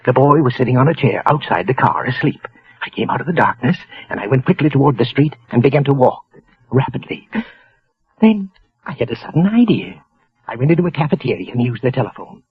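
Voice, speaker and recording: An actor playing a frightened clerk who narrates his own crime in a tense, halting first person. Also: mid-range voice, animated, husky, no room sound. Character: anxious middle-aged male clerk narrating his crime. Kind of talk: 1940s radio acting. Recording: dull old radio broadcast with music.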